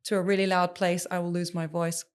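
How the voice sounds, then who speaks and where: A woman's voice: lowish voice, level tone, brisk, clear, resonant tone. Emphatic woman singer giving voice advice. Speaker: singer and former TV presenter, guest. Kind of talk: podcast interview.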